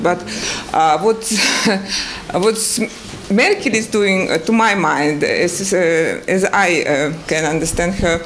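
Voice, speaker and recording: A woman's voice: on the low side, slight background noise. Hesitant Russian-accented woman asking. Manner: halting, many filler sounds. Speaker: audience member asking a question. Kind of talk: hesitant conference question. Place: conference room.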